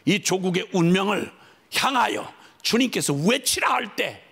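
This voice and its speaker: A middle-aged male missionary preacher with a high, lively voice that climbs into fervent cries. His tone is gravelly and husky. He speaks at a church worship service and leads the congregation in shouted proclamations. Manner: rising fervent cries, playful asides. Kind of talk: sermon.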